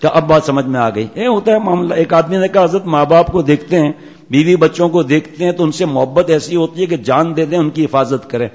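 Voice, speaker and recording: A man's voice: on the high side, a little mellow. A middle-aged man giving a religious sermon full of anecdotes, with humorous asides to his listeners. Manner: storytelling, jokey asides to listeners. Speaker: preacher. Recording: muffled audio in a reverberant hall.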